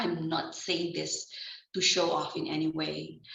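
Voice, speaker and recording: The pace of this woman's speech is moderate. She has a non-native accent. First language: not English. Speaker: nurse leader and journal editor. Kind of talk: award ceremony speech.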